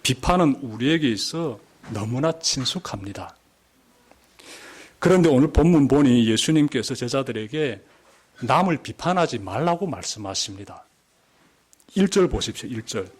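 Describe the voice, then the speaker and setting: A male pastor delivers a Sunday sermon in a church sanctuary, unhurried and measured. He lingers on key words, repeats them, and lifts his voice to drive a point home. His pitch sits in the middle range for a man. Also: animated, husky. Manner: deliberate preaching, repeats key words, rises for emphasis.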